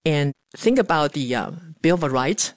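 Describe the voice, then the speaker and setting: A woman in her seventies from Taiwan, talking earnestly about her life in a news feature interview with pauses and fillers. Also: low-pitched, lively intonation, no echo, studio quality. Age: 70s. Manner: earnest, plain-spoken, with frequent pauses and fillers. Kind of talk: personal interview monologue.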